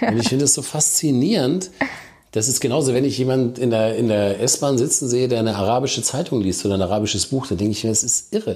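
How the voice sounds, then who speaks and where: A man talks at a very fast pace and medium pitch, his tone dark and mellow and his loudness very even. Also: ordinary pitch variation. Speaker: podcast co-host, airline pilot. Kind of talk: casual chat.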